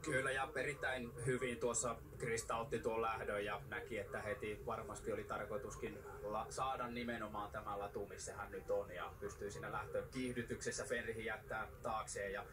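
A man giving measured expert analysis as co-commentator on a ski race. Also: lowish voice, fairly even intonation. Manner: measured, explanatory. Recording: distant, noisy TV broadcast capture.

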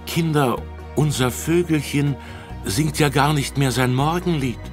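A man's voice: on the low side, lively intonation, moderate pace, faint music behind, voice pushed up. Man doing an eager little girl. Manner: eager, earnest. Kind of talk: children's audiobook reading.

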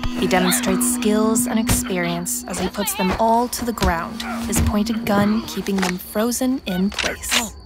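A woman narrating a thriller audio drama in a measured, suspenseful, wry way. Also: mid-range voice, over loud music, lightly acted. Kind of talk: scripted narration.

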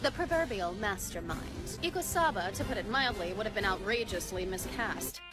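A woman's voice: medium pitch, animated, moderate pace, natural voice. A woman voicing a cold, cunning young female mastermind in an English cartoon dub, formal, verbose and condescending. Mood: haughty calm. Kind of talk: animated series English dub acting. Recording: loud music under the dialogue.

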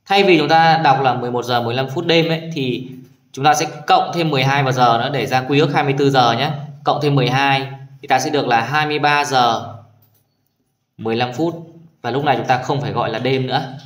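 A man's voice: medium pitch, fast talker, roomy sound. A man teaching primary school math in a video lesson, patiently explaining each exercise and checking in with his pupils. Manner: patient, addresses pupils warmly with tag questions.

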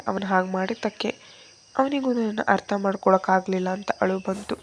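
A woman telling a first-person love story with emotional, plaintive narration. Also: mid-range voice.

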